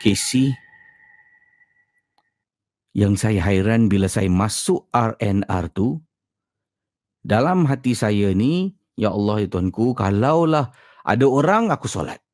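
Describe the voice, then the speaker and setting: A man's voice: fairly low pitch, animated, takes it slowly, long pauses, a little mellow, no echo, studio quality. A Malaysian man, a podcast host, telling a spooky story in the first person.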